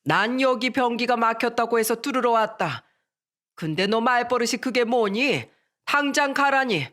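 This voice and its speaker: A storyteller voicing a middle-aged working man, a father who raises his voice in loud indignation. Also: very high voice, expressive, moderate pace, pitched above the performer's own voice, heavily acted. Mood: indignant. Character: hardworking older father, plumber, hurt and angry. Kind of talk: storybook narration.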